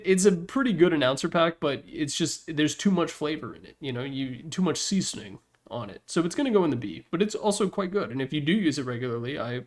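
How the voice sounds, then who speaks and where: Casual, higher-voiced man giving blunt commentary. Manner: rambling, informal, blunt, slangy. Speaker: host ranking video game announcer packs. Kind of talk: casual opinionated commentary over a slideshow.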